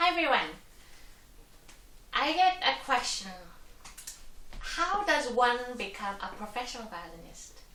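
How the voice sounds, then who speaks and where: In a room with audible echo and noticeable background noise, a woman talks fairly slowly at a high pitch, her voice swinging very widely in pitch and greatly in loudness, with long, frequent pauses. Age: 40s. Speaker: violinist and violin teacher. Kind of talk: casual vlog talk. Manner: hesitant, many fillers.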